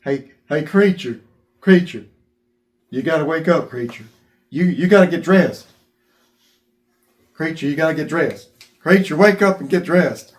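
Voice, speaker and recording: A man's voice: a little high, expressive, unhurried, pauses often, voice pushed up. Man doing a dopey Southern monkey puppet. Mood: coaxing. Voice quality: slightly dopey tone. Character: mild, eager-to-help, slightly dopey male monkey puppet.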